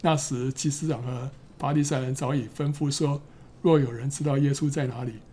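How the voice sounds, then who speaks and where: A man's voice: medium pitch, fairly even intonation, moderate pace, dark tone, a little hiss or hum. A man teaching through a Bible passage in a conversational way, often tagging "ah" onto his phrases and slipping in English. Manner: conversational, trailing "ah" fillers, drops in English phrases.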